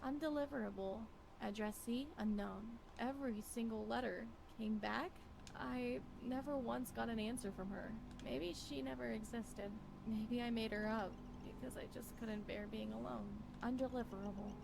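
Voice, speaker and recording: A haunted young-sounding wife, voiced by an actress narrates a horror game in a high voice with a creaky edge. She is brooding and fearful, speaking in halting theatrical phrases as her sanity slips. There is noticeable noise behind the voice. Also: fairly even intonation. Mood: uneasy, brooding. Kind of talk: dramatic first-person horror game narration.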